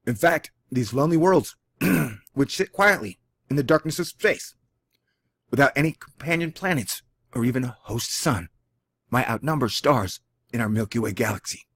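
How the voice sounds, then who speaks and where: A man's voice: medium pitch, animated, moderate pace, fairly bright tone, slightly rough, dry recording. A man with a Texan accent hosting a casual one-take vlog, reading a science article aloud with jokey, self-deprecating asides. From Texas. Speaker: channel host. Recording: dry, close lo-fi home recording.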